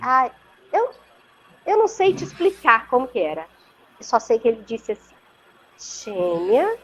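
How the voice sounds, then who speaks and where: A high-voiced woman whose pitch swoops wildly tells a story with a Brazilian Portuguese accent as a video-call interview guest, earnest and vivid, often checking in with her listener. She speaks at a moderate pace with a fairly bright tone. The lo-fi, muffled audio carries slight background noise.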